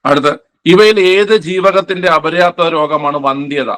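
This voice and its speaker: A man's voice: on the high side, normal speed, a bit bright. A man teaching an exam-prep quiz class online, repeating each answer and asking himself questions before answering them.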